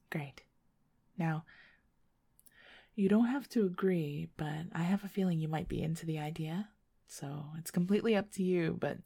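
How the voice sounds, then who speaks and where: Woman, young, intimate roleplay voice: slow, dark, coaxing whisper, very close and dry. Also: low-pitched, breathy edge, no room sound. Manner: soft, coaxing, often whispering.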